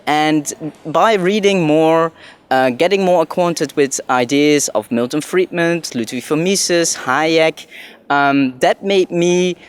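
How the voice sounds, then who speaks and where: A young man with a smooth, resonant voice sitting a little high. He answers thoughtfully, pausing now and then. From Netherlands. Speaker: interviewee. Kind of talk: conference vox-pop interview.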